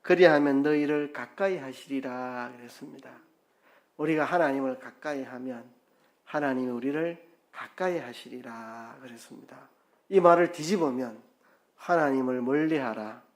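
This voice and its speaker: Pastor telling a story with acted voices. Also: male voice, medium pitch, normal speed. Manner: storytelling with acted-out quotes, swinging loud and soft. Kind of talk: sermon. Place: church sanctuary.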